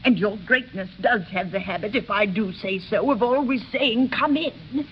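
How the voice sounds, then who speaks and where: A woman's voice: mid-range voice, moderate pace, a little hiss or hum, close to an everyday voice. A woman playing a fretful old housekeeper, chattering anxiously in a 1930s radio drama, on a muffled old broadcast.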